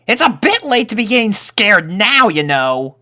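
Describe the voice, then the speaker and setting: Man putting on a high-pitched bossy little pony boy. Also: sing-song, unhurried, sharp tone, full character voice. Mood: bossy, exasperated. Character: bossy young boy unicorn pony, anxious underneath. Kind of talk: acted character voice in fan fiction reading.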